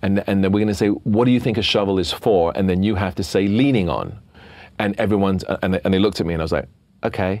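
In a British accent, the voice moves at a very fast pace with ordinary pitch variation. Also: man, fairly low pitch for a man. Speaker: actor and magician. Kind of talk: casual interview chat. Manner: animated.

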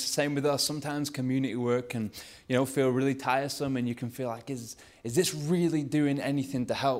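Recorded very cleanly over a silent background, a man talks at a very fast pace. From Lancashire, northern England. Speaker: pastor. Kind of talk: sermon. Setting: church. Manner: animated, casual.

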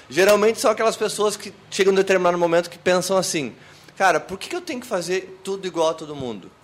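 Over noticeable background noise, a man speaks very fast at a high pitch. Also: ordinary pitch variation, big swings in loudness. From Rio Grande do Sul, Santa Maria. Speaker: language school founder, entrepreneur. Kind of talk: casual chat.

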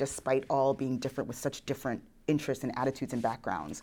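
With an American accent, a woman speaks in a very deep, low pitch. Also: very clean recording, silent background. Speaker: professor and diversity officer. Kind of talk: casual interview conversation. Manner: animated, laughs often.

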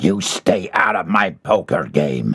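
A man puts on a growling character voice with lively intonation. He speaks at a fairly slow pace. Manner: growling, menacing.

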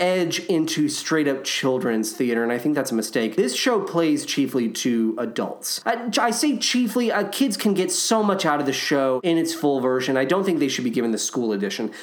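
In a room with audible echo, a man speaks in an animated tone at a fairly high pitch, his pitch swinging very widely. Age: 30s. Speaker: podcast host. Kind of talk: solo podcast commentary.

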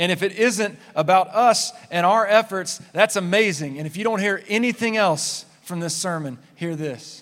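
This man's intonation is lively. He speaks at a fairly slow pace. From New Mexico (Clovis). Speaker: lay elder preaching. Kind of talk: sermon. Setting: church. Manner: animated.

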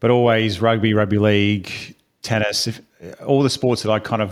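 A man with an Australian accent at a fairly low pitch, a moderate pace and fairly even intonation. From Australia, Brisbane. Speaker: fitness competition founder. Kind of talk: casual interview.

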